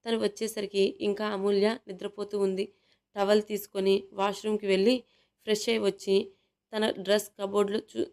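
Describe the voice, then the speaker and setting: A woman storyteller narrates a romantic family tale in an even, unhurried reading. Her voice is smooth and clear, and her pitch barely moves from line to line. The pace stays steady throughout.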